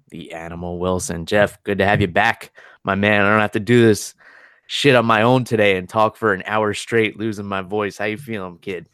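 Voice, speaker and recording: Low-voiced podcast host, dry close sound. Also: male voice, a bit bright, clear, resonant tone, no room sound. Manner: rambling, self-deprecating, chuckling. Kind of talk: casual podcast chat.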